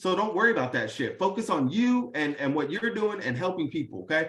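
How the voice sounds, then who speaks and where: Loud and very fast, a man speaks at a high pitch with very wide pitch swings. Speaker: real estate wholesaling coach. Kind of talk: live Zoom teaching call. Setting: video call. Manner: animated.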